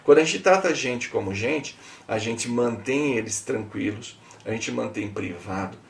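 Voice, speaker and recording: A Brazilian man coaches his listeners with emphasis, speaking straight to them in a gravelly, creaky voice. He sits a little back from the microphone, so his voice sounds distant. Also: mid-range voice, moderate pace. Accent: Brazilian Portuguese. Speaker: podcast host, coach. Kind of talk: podcast monologue.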